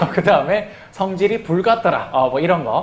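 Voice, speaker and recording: A man speaks with a high voice. Background noise is noticeable. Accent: Gyeongsang. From South Korea, Gyeongsang province. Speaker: exam prep lecturer. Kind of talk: lecture. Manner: conversational, lively.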